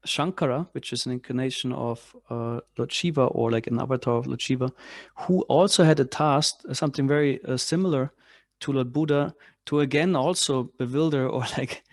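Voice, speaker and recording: A man leading a class on spiritual philosophy, speaking in a halting way with many restarts and fillers. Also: medium pitch, no room sound. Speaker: class leader. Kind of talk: spiritual lecture with discussion.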